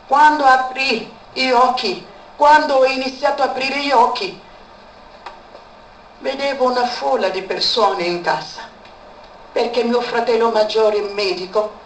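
Slow-speaking woman giving an echoey testimony. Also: a little high. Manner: repeats words for emphasis. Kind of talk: emotional spoken testimony. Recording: echoey room, far from mic, faint background noise.

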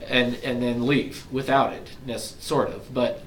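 A man training real estate agents, walking them step by step through signing software in a casual, explanatory way, a bit hoarse and clearing his throat as he loses his voice. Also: mid-range voice, steady tone, a little slow. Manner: explanatory, casual, self-deprecating. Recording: echoey room from far off, faint hiss.

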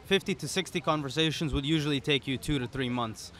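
A man's voice: on the high side, quick pace, a bit bright. A man in his twenties from the United Arab Emirates, explaining things casually as a podcast interview guest. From United Arab Emirates, born in Serbia. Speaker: interview guest, startup founder. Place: outdoor pop-up podcast booth at a conference. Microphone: boom-arm podcast microphone. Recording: outdoor event ambience behind voice. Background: outdoor conference ambience.

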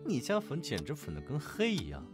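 Guy acting playful big bro, super expressive, bantering, audio drama with bg music. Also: a little high, brisk. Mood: mocking. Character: playful, bantering, protective young older brother. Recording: music behind the voice.

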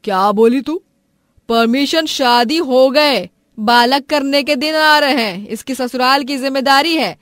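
A woman playing a strict, grumpy middle-aged mother-in-law in an animated family story, with a commanding manner. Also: high voice, measured pace, no room sound, studio quality. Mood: stern disapproval. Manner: scolding, commanding.

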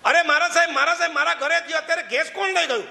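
Male preacher doing a high, wailing village woman, urgent, in an echoey hall. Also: very fast, creaky, sharp tone, exaggerated voice. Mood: alarmed. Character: distraught village woman pleading with monks. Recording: echoey hall, faint ambience.

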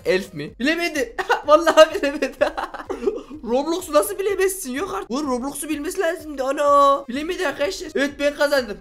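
A man with a high, quick voice does casual gaming commentary. He reads out quiz questions and fires back teasing, excitable answers. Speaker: gaming YouTuber.

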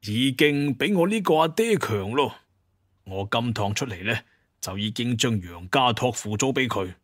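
A man's voice: medium pitch, lively intonation, moderate pace, no room sound, clean studio sound, lightly acted. An actor playing an older clan patriarch in an audio drama, humble and formally deferential, a proud father. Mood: respectful. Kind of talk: Cantonese audio drama dialogue.

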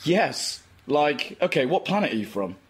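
Man reading eager, awkward young cartoon woman, lively pitch. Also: normal speed. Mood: curious. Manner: eager, blunt, questioning. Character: lonely eager young woman, blunt, curious, socially awkward. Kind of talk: cartoon table read. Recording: noisy informal room recording.

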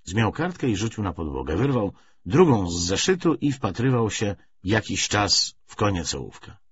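A man's voice: fairly low pitch, very animated, normal speed, muffled recording, a little hiss or hum. A man narrating a novel as an audiobook, reading from a script.

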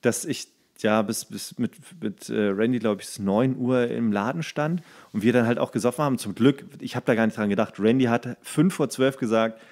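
A man's voice: medium pitch, moderate pace, few pauses, darkish tone. A young adult man, a podcast co-host telling long anecdotes in casual chat, with many fillers and restarts.

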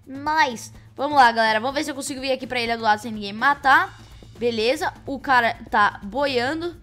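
A woman with a Brazilian Portuguese accent hosting a let's-play, excitable, shrieking and teasing as she plays. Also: high-pitched, brisk, faint music behind. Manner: excitable, shrieks and shouts at game events, playful teasing. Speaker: gaming channel host. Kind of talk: let's-play game commentary.

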